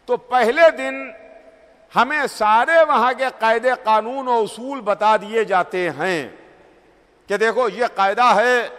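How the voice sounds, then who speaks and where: A man's voice: very high voice, a bit bright. A male cleric delivering an oratorical Urdu majlis sermon in a mosque, with rhythmic repeated phrases. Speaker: Shia cleric giving a majlis. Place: mosque hall. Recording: long hall reverb.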